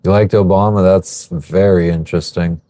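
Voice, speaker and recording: A man in his thirties talks loosely to his livestream viewers from a sailboat at anchor, reading their comments and swearing as he goes. His voice sits a little low, and the sound is dry and close with no room around it. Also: steady tone, moderate pace, warm tone, no room sound. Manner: swears freely, chatty and offhand. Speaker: livestream host. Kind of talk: casual live chat reading viewer comments.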